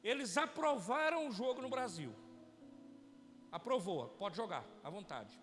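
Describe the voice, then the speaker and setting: A high-pitched male pastor with a Brazilian Portuguese accent, preaching in an emphatic, repetitive way. His voice rings through a hall with a long reverb, and soft music plays underneath. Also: very animated, a little slow. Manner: emphatic, repetitive preaching with direct address to the congregation. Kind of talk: sermon.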